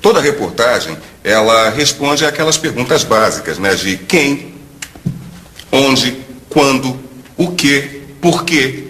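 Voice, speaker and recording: A man's voice: medium pitch, animated, takes it slowly, bright, forceful tone. A man in a scripted educational sketch, explaining school topics to his friends patiently.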